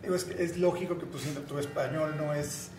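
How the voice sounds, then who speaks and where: A man hosting a podcast interview, warmly encouraging his guest and finishing his sentences. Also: on the high side, fairly even intonation, normal speed. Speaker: podcast host. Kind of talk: casual interview chat. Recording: roomy echo, faint noise.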